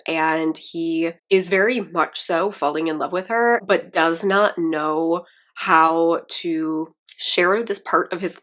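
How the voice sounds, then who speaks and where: A woman book vlogger chatting casually about her reading, a little raspy and rambling with fillers. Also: lowish voice, a bit bright. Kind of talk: casual chat.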